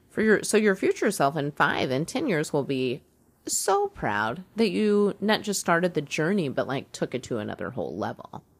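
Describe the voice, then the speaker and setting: In a very clean recording with a silent background, a woman with a fairly low voice and vocal fry speaks at a moderate pace in an animated tone, her pitch swinging very widely. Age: 40s. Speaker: wellness podcast host. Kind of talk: casual motivational monologue. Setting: home studio.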